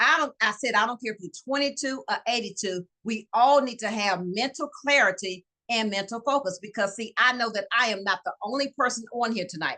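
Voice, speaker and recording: In a Southern US accent, a woman speaks fairly quickly at a fairly high pitch, her tone bright, sharp and animated. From Louisiana. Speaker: network marketing presenter. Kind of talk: sales pitch.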